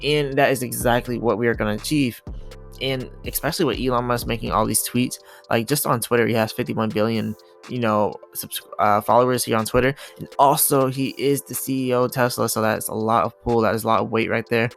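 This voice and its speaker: A man's voice: medium pitch, steady tone, fairly quick, vocal fry. A man giving casual, repetitive, hyping commentary over charts as a video host. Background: music.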